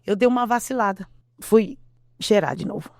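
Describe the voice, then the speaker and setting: Mulher brasileira dando testemunho emocionado. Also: female voice, medium pitch, normal speed, a little mellow, no echo, clean studio sound. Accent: Brazilian Portuguese. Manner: earnest, repeats herself, acts out quotes. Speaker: interview guest. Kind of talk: emotional testimony.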